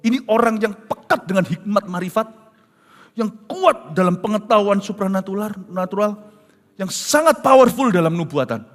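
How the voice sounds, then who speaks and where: A man's voice: sits high, lively intonation, normal speed. A man preaching a sermon as a pastor, telling a story dramatically and slipping in English phrases. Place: large church hall. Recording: long church reverb with soft music.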